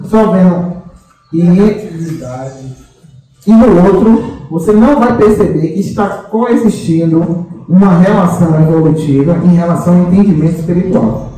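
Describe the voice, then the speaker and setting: A man's voice: on the high side, warm tone. A man giving a chatty, teasing spiritual talk to a group, full of tag questions and fillers. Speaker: spiritual guide addressing a group. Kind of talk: informal spiritual talk to a meeting. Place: large echoey meeting hall. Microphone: distant room microphone. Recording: very echoey hall, voice from far off.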